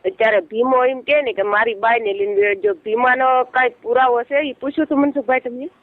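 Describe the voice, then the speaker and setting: A woman's voice: high voice, a little fast, gravelly. A woman with a Kathiawadi Gujarati accent speaking informally as a caller, plaintive and defending herself. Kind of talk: informal phone conversation. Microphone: phone line. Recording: lo-fi narrow phone call.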